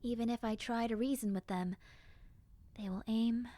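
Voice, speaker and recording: A woman voicing a friendly, gentle, wistful young zombie girl in a roleplay monologue, speaking softly and hesitantly with childlike sincerity. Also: fairly high pitch, steady tone, normal speed, voice pushed up, lightly acted. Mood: gentle, apologetic. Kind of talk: roleplay audio drama monologue.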